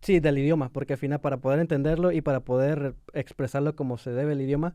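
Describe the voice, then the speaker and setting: Talking at a very fast pace, a man with a Mexican accent has a fairly high, dark, mellow voice and fairly even intonation. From Mexico. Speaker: podcast host. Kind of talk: casual chat.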